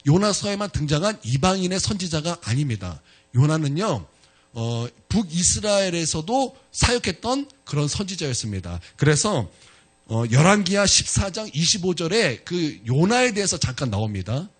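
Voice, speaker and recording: A male pastor preaching a sermon in church, retelling a story in an animated way and talking directly to his congregation. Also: a little high, moderate pace, slightly rough.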